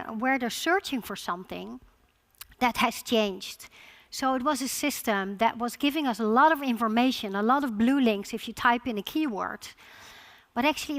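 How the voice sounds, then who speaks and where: A woman's voice: on the high side, fairly bright tone. A woman from the Netherlands with a Dutch accent, giving a conference presentation with frequent restarts. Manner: halting restarts, repeated words. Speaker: conference speaker.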